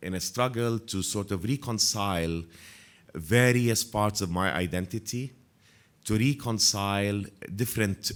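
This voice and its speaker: A man at a very slow pace with an Arabic accent, on a very clean recording with a silent background. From Jordan. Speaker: university administrator and author. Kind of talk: book launch talk. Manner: hesitant with frequent fillers.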